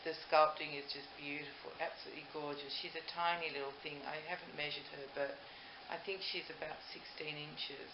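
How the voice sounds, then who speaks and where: A woman's voice: deep voice, steady tone, brisk, hardly any pauses. An older woman chats casually to camera as a doll maker, gushing and rambling, in a home recording. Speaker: doll maker and video host. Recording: roomy, muffled, noisy home recording.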